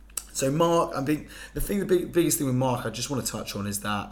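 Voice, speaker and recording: A man speaks with a London accent. Audible room echo can be heard around him. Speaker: podcast host. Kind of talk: podcast intro.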